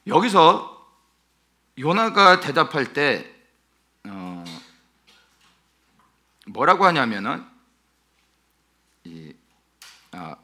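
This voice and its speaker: Male pastor, fairly high, bright voice; lively, emphatic sermon delivery with frequent rhetorical questions to the congregation. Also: very slow, long pauses. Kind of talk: expository sermon.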